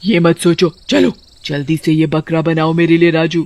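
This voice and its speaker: Here is a cartoonish character voice. It sits at a middle pitch. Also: moderate pace. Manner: cackling, gloating.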